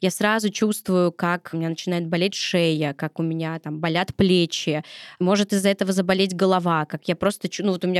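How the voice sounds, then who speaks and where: A woman with an unremarkable speaking voice talks with fairly even intonation, the sound dry and close with no echo in a very clean recording with a silent background. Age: 30s. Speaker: entrepreneur and influencer. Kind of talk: interview.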